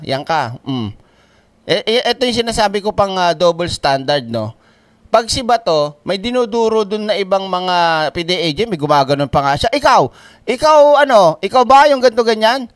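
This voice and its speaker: A man's voice: sits high, lively intonation, normal speed, fairly bright tone, dry recording. A man hosting a reaction commentary, mocking and laughing often as he talks. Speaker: commentary channel host.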